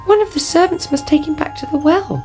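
A woman voicing a reluctant young princess in a high, pleading voice, with music behind. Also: a little fast, natural voice. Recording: music playing underneath.

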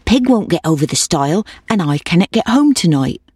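A fretful old woman chants her pleas over and over in a lively, dry voice, as a woman reads her aloud. The sound is close and without room echo. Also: fairly low pitch, fairly quick, husky. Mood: pleading. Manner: repetitive, sing-song pleading.

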